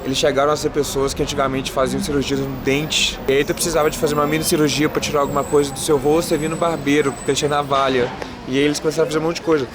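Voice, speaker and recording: A man's voice: fairly high pitch, flat delivery, very fast. A man from Brazil with a Brazilian accent, a native Portuguese speaker, chatting casually as he hosts a street travel vlog. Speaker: travel vlogger, host. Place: city streets, outdoors. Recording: busy street crowd noise.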